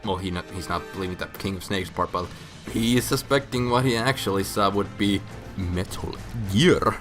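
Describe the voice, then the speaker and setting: Drunk-sounding male comic narrator, lowish voice, profane, sarcastic, rambling; faint music bed. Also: moderate pace. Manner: crude, sarcastic. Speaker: host of a comic video game storyline recap.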